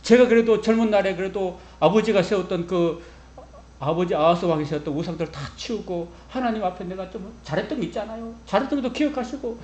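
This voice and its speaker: A man voicing a weeping king who pleads with God to live longer, his voice going high and strained. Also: quick pace, a little mellow, echoey room, natural voice. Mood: pleading. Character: tearful king begging God for more life.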